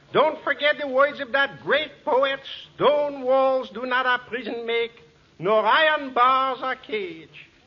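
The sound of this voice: A man puts on a character voice at an extremely high pitch, speaking at a slow pace. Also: ordinary pitch variation, few pauses.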